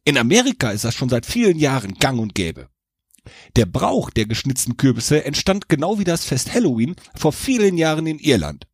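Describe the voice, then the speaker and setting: Lively man telling a funny tale. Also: medium pitch, moderate pace, slightly rough, no room sound, clean studio sound. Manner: playful asides, lively narration. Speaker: podcast host. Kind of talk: humorous storytelling. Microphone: dry studio mic.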